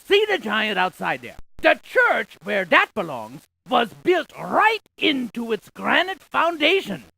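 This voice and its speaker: A woman's voice: fairly high pitch, huge pitch swings, unhurried, vocal fry, sharp tone, slightly rough, full character voice. A woman playing a quirky, chatty scientist in an educational game, delivering facts with theatrical emphasis and wordplay. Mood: chatty, informative. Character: quirky, chatty female scientist spouting geography trivia. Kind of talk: animated educational game character lines.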